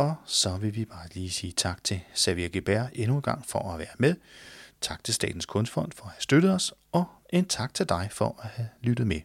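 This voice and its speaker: On a very clean recording with a silent background, a man speaks at a fairly low pitch, somewhat breathy. His pitch swings very widely and his loudness rises and falls sharply. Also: fairly quick pace. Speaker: podcast host. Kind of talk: scripted narration.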